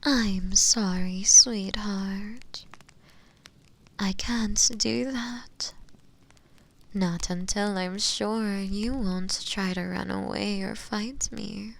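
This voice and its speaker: Seductive witch captor, played by a woman, intimate audio roleplay. Possessive and sweetly menacing, unhurried delivery, breathy murmurs with some vocal fry. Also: mid-range voice, steady tone. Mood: soft, controlling. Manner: slow, coaxing, breathy murmurs slipping into whispers.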